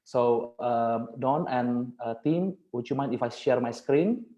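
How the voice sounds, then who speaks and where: A man's voice: mid-range voice, a little slow, warm tone, highs cut off. A young man from Indonesia, a native Indonesian speaker, giving an earnest, formal webinar talk in English over a video call, repeating phrases for emphasis. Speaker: guest speaker. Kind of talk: webinar presentation. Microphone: computer mic on video call.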